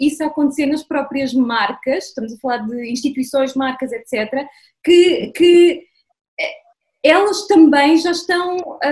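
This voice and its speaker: A woman speaks fairly slowly with a high pitch and lively intonation. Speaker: podcast co-host. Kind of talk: casual chat. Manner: halting.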